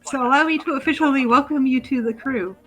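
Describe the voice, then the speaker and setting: A woman reading the lines of a folksy male bear company boss in her own fairly high voice, giggling as she goes. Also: quick pace, fairly bright tone, faint music behind, low-quality recording. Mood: folksy, salesy. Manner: friendly sales-pitch read with giggles.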